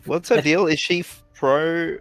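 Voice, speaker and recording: A man's voice: a little high, measured pace, over music. A man playing a tabletop game, talking casually and jokingly with his group. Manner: animated, jokey. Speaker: player.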